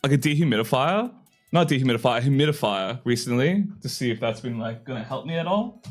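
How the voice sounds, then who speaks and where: Slightly hoarse young man streaming. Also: mid-range voice, lively intonation, fast talker, soft background music. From Australia. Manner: rambling and self-deprecating, full of fillers. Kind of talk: casual live-stream chat.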